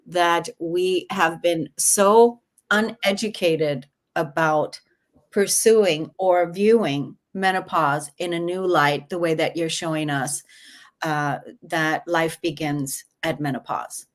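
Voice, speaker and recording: A woman's voice: deep voice, slow pace. A woman hosting a podcast interview, talking in an earnest, meandering way with many fillers. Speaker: podcast host.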